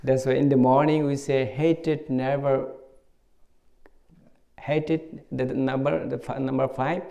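Bangladeshi accent monk man teaching, gravelly low-key voice, acts out chats, laughs a lot. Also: a little slow, muffled recording. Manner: animated storytelling, acts out dialogues, laughs often. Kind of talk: dharma talk. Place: small wood-paneled meditation room.

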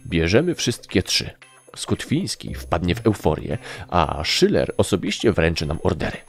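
A man's voice: deep voice, sing-song, moderate pace, gravelly, soft background music, heavily acted. A man voicing a cocky little male sprite, a confident and grandiose sweet-talker in an audiobook. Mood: elated, cocky. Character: small male kobold-like sprite, cocky, scheming, sweet-talking. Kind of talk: audiobook character acting.

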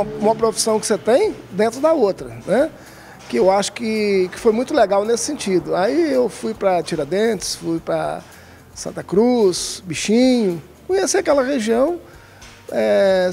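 Hesitant man with a gravelly voice. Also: high-pitched, a little mellow, slight background noise. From Brazil, Minas Gerais. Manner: hesitant, many fillers and restarts. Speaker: woodcarving artisan, guest. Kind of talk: casual interview answers. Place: craft shop, indoors. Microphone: handheld mic held by interviewer.

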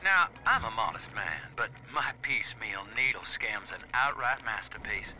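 A smug game swindler with a very bright, forceful voice. He boasts in a folksy, sly way, over faint noise. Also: on the low side, big pitch swings, normal speed, heavily acted, rough recording. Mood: smug boasting. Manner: folksy, smooth-talking, boastful. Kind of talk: video game audio diary monologue.

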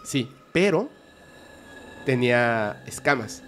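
Animated man telling a tale. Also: mid-range voice, slow pace, a little hiss or hum. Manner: animated, vivid storyteller. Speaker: podcast guest. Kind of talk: casual storytelling in a podcast.

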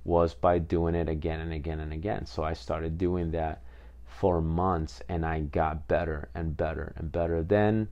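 Deep, flat-voiced man from Peru. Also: normal speed, dull audio. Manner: rambling, many fillers and repeats. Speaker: podcast host. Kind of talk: casual personal storytelling.

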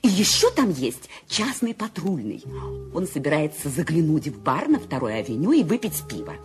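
A fretful invalid lady whose voice leaps up and down as her nerves fray, shrill and commanding. Soft music sits under this old radio drama recording. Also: very animated, moderate pace. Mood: anxious. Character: nervous bedridden wealthy woman, irritable and demanding. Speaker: Mrs. Stevenson. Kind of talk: Soviet-era radio play acting.

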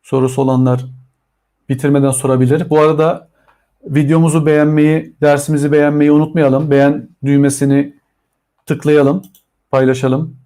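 A man with a Turkish accent teaching a live online English lesson to children, drawing out model phrases slowly. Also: fairly high pitch, little pitch movement, mellow.

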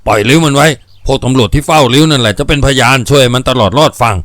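A man's voice: mid-range voice, rapid-fire, a bit bright, no room sound, studio quality, close to an everyday voice. A man voicing a vengeful older man with a shotgun who confronts his enemy with bitter, mocking speech. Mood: urgent.

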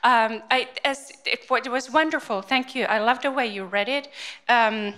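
Woman lecturer, forties, Finnish accent, halting delivery full of ums, handheld mic in a small room. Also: on the high side, sharp tone. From Finland. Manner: hesitant, many fillers and restarts. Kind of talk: informal university-style lecture. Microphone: handheld microphone.

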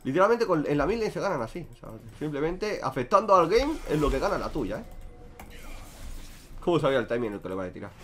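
Lively, fast-talking streamer guy. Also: a little high. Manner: crude, joking, talks to chat. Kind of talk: casual gameplay commentary.

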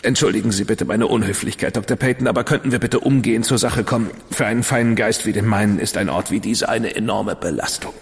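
A man's voice: on the low side, quick pace, hardly any pauses, lightly acted. A man playing a witty, mocking dandy. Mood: ironic. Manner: ironic, mocking, theatrical. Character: witty, theatrical male dandy, ironic and fastidious. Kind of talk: German radio drama acting. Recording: long reverb with music behind.

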